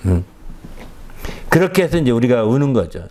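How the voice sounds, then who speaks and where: A middle-aged male pastor giving a conversational sermon, often checking in with the congregation with a quick "eh?". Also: medium pitch, sing-song, darkish tone.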